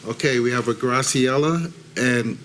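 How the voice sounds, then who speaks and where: Man chairing a council meeting, courteous and halting, light room noise. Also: mid-range voice, a bit bright. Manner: polite, hesitant, many uhs. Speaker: vice mayor chairing the meeting. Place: city council chamber.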